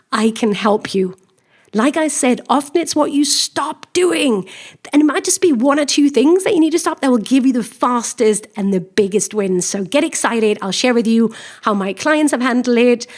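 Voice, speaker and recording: A woman in her forties from Denmark with a Danish accent, a career coach hosting her own podcast and talking straight to the listener in a lively, encouraging way. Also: fairly high pitch. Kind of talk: solo podcast monologue.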